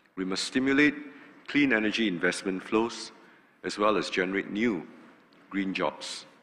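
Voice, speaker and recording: There is audible room echo as a man with a fairly low pitch talks at a moderate pace, using ordinary pitch variation and long, frequent pauses. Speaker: government minister or delegate. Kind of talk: formal conference speech. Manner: formal.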